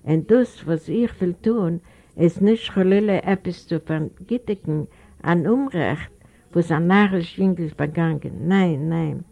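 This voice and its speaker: A woman's voice: lowish voice, a little slow, vocal fry, warm tone, dull audio. A woman voicing a broken old man who pleads earnestly. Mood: pleading.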